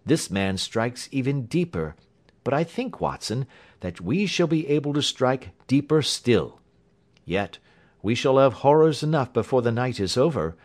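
A man's voice: mid-range voice, big pitch swings, a little slow, a little mellow, pitched above the performer's own voice. A man doing Holmes, a keen incisive detective. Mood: intense. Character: Holmes, sharp reasoning male detective, adult.

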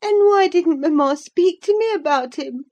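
A woman's voice: very high voice, normal speed, warm tone, lo-fi sound, voice pushed up. A woman voicing a frail, fretful young boy who asks plaintive questions in a storybook reading.

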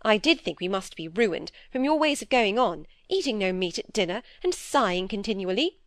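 A woman voicing a severe, brisk elderly spinster who speaks in a commanding, impatient way. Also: medium pitch, big pitch swings, dry recording, clean studio sound. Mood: stern.

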